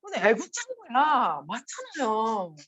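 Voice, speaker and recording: A middle-aged woman with a Gyeongsang accent gives a motivational seminar talk, animated and acting out quoted voices. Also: fairly high pitch, measured pace, highs cut off. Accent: Gyeongsang Korean. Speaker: motivational speaker.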